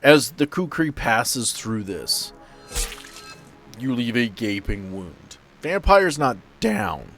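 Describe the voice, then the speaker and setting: A man's voice: mid-range voice, very animated, takes it slowly, gravelly, fairly bright tone. Male game master for tabletop horror: improvised narration, mid-range voice, faint music underneath.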